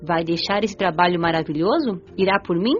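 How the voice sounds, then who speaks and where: A woman with a Brazilian accent playing a gentle, eager young spirit who narrates her story in an audio drama. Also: on the low side, fairly quick, dull audio, faint music behind, close to an everyday voice. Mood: grateful, curious.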